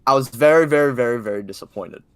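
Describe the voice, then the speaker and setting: A man's voice: medium pitch, fast, smooth, no room sound. A man co-hosting a casual fan podcast, slangy and emphatic, repeating words for stress. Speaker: podcast co-host.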